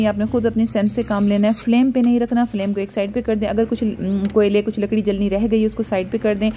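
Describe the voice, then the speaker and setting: A woman's voice: a little high, warm tone. A woman with a Pakistani Urdu accent, explaining a recipe step by step in a casual home cooking vlog. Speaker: cooking vlogger. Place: rooftop outdoors at night, and a home kitchen.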